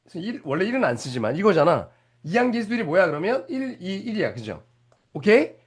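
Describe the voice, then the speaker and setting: Lively high-voiced male math teacher. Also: fast, breathy edge. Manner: animated, keeps checking if students follow; explains step by step with rhetorical questions. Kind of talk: lively classroom lecture.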